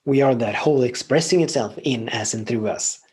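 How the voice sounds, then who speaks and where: This podcast host, a native Swedish speaker, moves fairly quickly through a reflective spiritual monologue, delivered calmly. His mid-range voice is slightly rough, and he often repeats phrases in lengthy lists.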